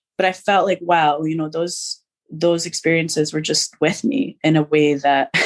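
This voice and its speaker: A woman with a Scottish accent, fairly low in pitch, with ordinary pitch variation and a dry, close sound with no echo. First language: Polish. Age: 30s. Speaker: filmmaker and actor. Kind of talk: casual chat. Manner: animated, fast.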